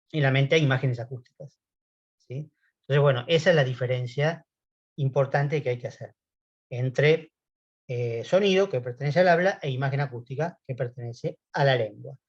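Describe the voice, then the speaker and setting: Argentine man lecturing, muffled recording. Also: mid-range voice. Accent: Argentine Spanish. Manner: conversational, explanatory, keeps checking with a questioning "sí?". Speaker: university lecturer.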